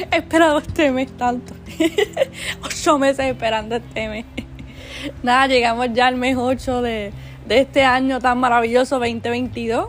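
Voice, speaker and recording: With music in the background, a woman speaks in a high pitch at a fairly slow pace, using fairly even intonation and long, frequent pauses. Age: 20s. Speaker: podcast host. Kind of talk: solo motivational monologue.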